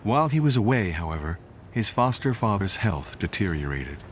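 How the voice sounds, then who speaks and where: A man narrating a documentary from a script in a measured storytelling manner. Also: fairly low pitch, very animated, slight background noise. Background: music bed.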